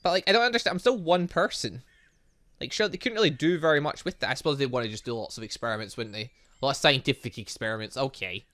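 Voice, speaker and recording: A man's voice: mid-range voice, expressive, fast, fairly bright tone, no room sound. A man reading game dialogue aloud in a let's play, adding his own commentary and often stumbling over words and correcting himself. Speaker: gaming YouTuber reading a visual novel aloud.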